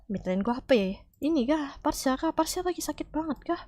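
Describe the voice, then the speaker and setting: A woman game streamer with a cold and a slightly nasal, stuffy voice, chatting casually and calling out to teammates with loud exclamations and swearing. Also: high voice, expressive, brisk, no echo, clean studio sound. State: has a cold. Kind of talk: casual gaming stream chat.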